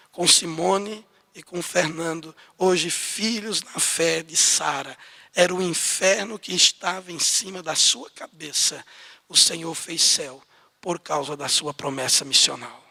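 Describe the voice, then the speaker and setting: A man's voice: high-pitched, unhurried, vocal fry, sharp tone. A male pastor preaching a storytelling sermon, acting out dialogue and building to emphatic exhortation. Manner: acts out quoted dialogue, rising to emphatic exhortation.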